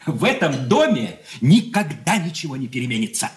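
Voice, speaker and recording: A man's voice: on the high side, moderate pace. An actor playing a sarcastic, self-righteous young son-in-law who mocks his relatives in a radio play. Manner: mocking, sarcastic, lively. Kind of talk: 1980s studio radio play acting.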